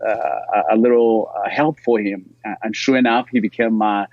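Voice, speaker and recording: A man's voice: lowish voice, normal speed, dry recording, highs cut off. Earnest man. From Uganda. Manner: earnest, warm storyteller with frequent fillers. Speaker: guest. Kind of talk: telling his life story in an interview.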